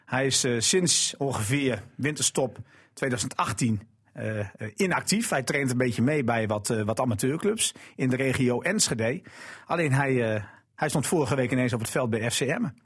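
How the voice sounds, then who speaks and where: A man leading a casual football chat, asking questions and telling news in an animated way. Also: moderate pace, husky. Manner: animated, questioning, pitch jumps when asking.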